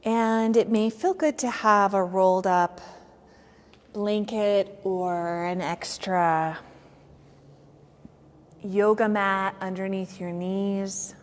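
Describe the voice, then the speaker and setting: A woman yoga teacher leading a guided meditation in unhurried phrases with long pauses between them. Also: mid-range voice, steady tone. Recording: long hall-like reverb.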